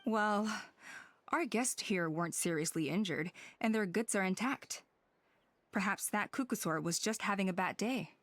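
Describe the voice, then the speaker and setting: A woman's voice: medium pitch, expressive, moderate pace, dry recording, close to an everyday voice. A woman playing a composed, reassuring tribal elder in a video game. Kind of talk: scripted game character acting.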